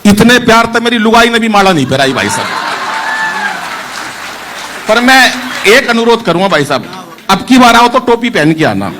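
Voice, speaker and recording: A bright, high-voiced man performs comic stories live before an audience at a poetry gathering. He speaks straight to the crowd, coaxing applause. Faint ambience hangs in the background. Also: sing-song, moderate pace, pauses often, a little hiss or hum. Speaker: stand-up poet at a poetry gathering. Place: live event venue with an audience.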